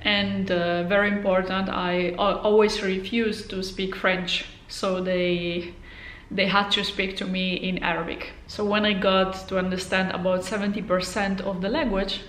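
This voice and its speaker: A woman's voice: medium pitch, flat delivery, a little slow, fairly bright tone. A woman in her thirties from Poland, a native Polish speaker, chatting to camera as a vlog host with lots of fillers. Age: 30s. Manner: friendly, chatty, many fillers. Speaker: channel host. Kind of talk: casual to-camera vlog talk. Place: room at home. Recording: roomy echo.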